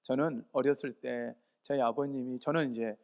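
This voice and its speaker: Preaching at a church service, a male pastor from Yeosu in South Korea speaks in a mid-range, darkish voice with fairly even intonation at a moderate pace. He earnestly urges his congregation, posing rhetorical questions and answering them himself.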